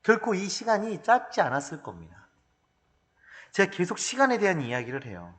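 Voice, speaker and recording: Animated male pastor in a reverberant hall. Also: high voice, normal speed. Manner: animated, humorous storytelling. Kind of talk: sermon.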